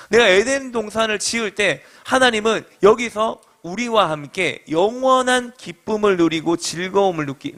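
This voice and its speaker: A man's voice: sits high, fairly bright tone. A male pastor, middle-aged, giving a fervent sermon and leading the congregation in responses and shared readings.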